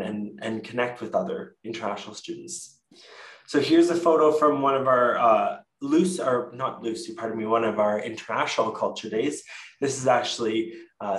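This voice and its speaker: Canadian man presenting over a roomy call. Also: medium pitch. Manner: casual, self-correcting with frequent fillers. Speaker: university presenter. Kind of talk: virtual info session presentation. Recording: echoey room, distant mic.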